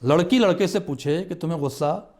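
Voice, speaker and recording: A man speaks as a guest on a studio talk show, earnest and emphatic as he explains his point. His voice sits a little higher than most men's. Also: a little mellow. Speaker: religious scholar guest.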